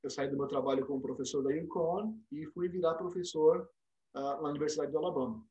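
Over a remote call mic, with a muffled recording, a Brazilian man who teaches dentistry spins anecdotes in a relaxed interview. His voice sits on the high side and moves fairly quickly, and he performs the quotes with lively energy.

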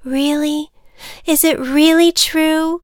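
A fussy, nervous storybook butterfly, prim and quick to deny her fears, as a woman reader puts her on. Her voice sits high and clean. The sound is dry and close. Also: big pitch swings, a bit bright, clear, resonant tone, dry recording, full character voice. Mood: fretful. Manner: defensive, fussy, high-strung. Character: timid, prim female butterfly afraid to fly.

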